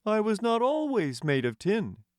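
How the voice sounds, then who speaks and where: A man's voice: high-pitched, wildly swooping pitch, measured pace, dry recording, studio quality, pitched above the performer's own voice, exaggerated voice. A man voicing a proud, courtly tin man emperor who tells stories in formal, grand storybook language, cheerfully pleased with himself. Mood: wistful, earnest. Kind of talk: audiobook character voice.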